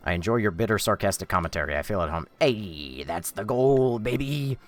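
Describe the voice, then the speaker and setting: A young man streaming a game live, reading chat sarcastically and shrieking when the game scares him, his voice going hoarse. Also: on the low side, expressive, a little fast. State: losing his voice.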